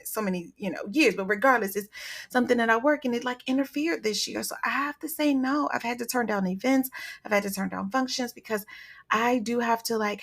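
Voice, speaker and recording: Chatty woman hosting a podcast. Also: medium pitch. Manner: chatty, animated storytelling with lots of fillers. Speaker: podcast host. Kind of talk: casual solo podcast talk.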